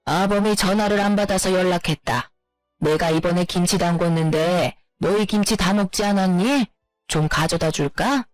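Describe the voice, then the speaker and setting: A woman voicing a kindly older mother-in-law who asks gentle, solicitous questions. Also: fairly low pitch, moderate pace, dry recording, soft background music, lightly acted. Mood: caring. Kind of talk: narrated story dialogue.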